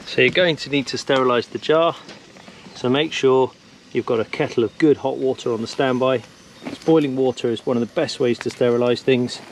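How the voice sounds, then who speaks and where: An English bushcraft instructor in his thirties films an upbeat, practical outdoor lesson on an action camera at a woodland camp and wooden cabin. His mid-range voice has fairly even intonation and moves a little fast, with a slight hiss or hum in the audio.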